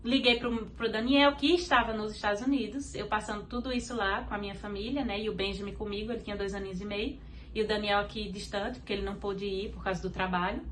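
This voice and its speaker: A woman's voice: medium pitch, fairly even intonation, fast talker, a bit bright, a little hiss or hum. A woman from Brazil with a Brazilian Portuguese accent, a podcast guest giving an earnest faith testimony and acting out what others said.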